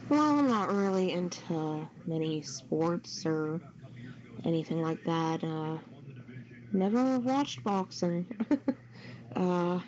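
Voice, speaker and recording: A woman's voice: on the low side, darkish tone. A woman chatting casually over a dull, lo-fi voice chat.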